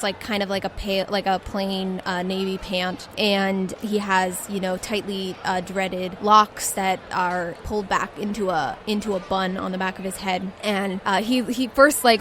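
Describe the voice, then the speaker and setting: A woman's voice: medium pitch, fairly bright tone, slight background noise. Casual woman game master, improvising. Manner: casual, halting, descriptive. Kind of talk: improvised narration of a tabletop game. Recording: music under the voice.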